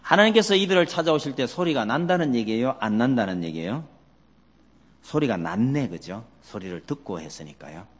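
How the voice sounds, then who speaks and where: Lively male pastor in an echoing hall. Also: medium pitch, fairly quick, breathy edge. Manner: asks the congregation many questions; animated, acts out quoted voices. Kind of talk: sermon. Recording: long hall reverb.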